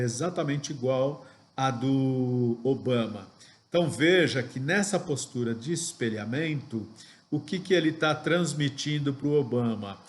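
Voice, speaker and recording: A man teaching a sales training lesson, explaining step by step and checking in with rhetorical questions. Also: medium pitch. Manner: didactic, asks rhetorical questions, frequent "ok?" and "né?".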